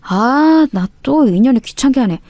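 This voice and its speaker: A woman's voice: high-pitched, expressive, a little slow, dark tone, no echo, studio quality, faint music behind, voice pushed up. A woman putting on a swaggering teen boy bully. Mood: threatening. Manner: rough, threatening, swaggering. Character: menacing teenage boy school bully.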